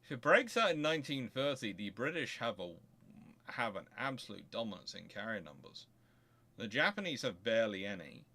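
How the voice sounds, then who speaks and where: A man hosting a casual live question-and-answer stream on history, talking in a halting way as he thinks aloud and repeats phrases. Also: medium pitch, big pitch swings, pushed and bright. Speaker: host of a naval history stream.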